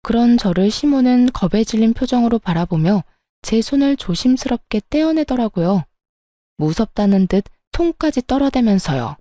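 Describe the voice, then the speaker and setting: A woman narrating a first-person story in a steady, aggrieved tone. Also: on the high side, moderate pace, dry recording, clean studio sound.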